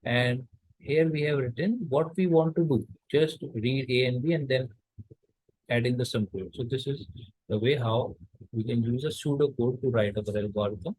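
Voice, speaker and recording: A man from India gives a recorded college lecture at a middle pitch. He explains each step patiently, often pausing on fillers and restarting his sentences. The recording is dry and close, with no room sound. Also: darkish tone, breathy edge, no room sound, low-quality recording.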